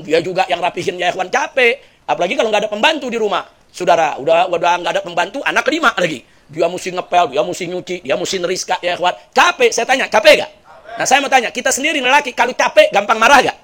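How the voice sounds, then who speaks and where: A man preaching a sermon, telling stories in an animated, joking way and putting questions to the congregation. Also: sits high, fast. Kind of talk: sermon with storytelling.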